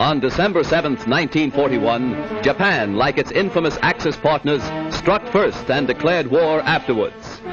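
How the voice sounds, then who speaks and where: Over music in the background, a man with an American accent talks at a moderate pace and a fairly high pitch, with lively intonation, very even loudness and hardly any pauses. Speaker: newsreel commentator. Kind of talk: wartime newsreel narration.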